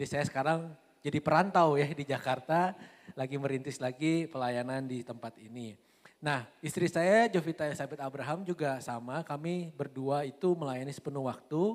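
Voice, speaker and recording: Ordinary pitch variation at a moderate pace. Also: man, fairly high pitch for a man. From Indonesia, Bandung (West Java). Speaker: pastor. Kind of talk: sermon.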